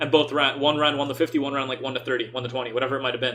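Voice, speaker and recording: Over noticeable background noise, a man talks at a very fast pace. His medium-pitched voice is monotone, with flat intonation. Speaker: trading mentor. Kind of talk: live webinar Q&A. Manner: casual, filler-heavy.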